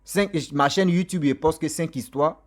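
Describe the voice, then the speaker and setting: A man, not a native French speaker, tells a story to his viewers in a lively, repetitive, chatty way. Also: a little high, moderate pace. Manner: animated, repetitive, warm direct address to viewers. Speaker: storyteller vlogger. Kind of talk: casual spoken storytelling.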